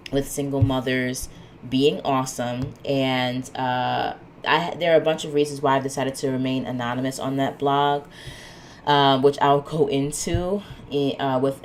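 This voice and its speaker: A woman's voice: extremely low pitch, a little hiss or hum. A woman hosting her own podcast, talking through her plans in a loose, rambling way with plenty of fillers, a little sniffly from a cold. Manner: relaxed, rambling, many "um"s and asides. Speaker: podcast host. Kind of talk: solo podcast monologue.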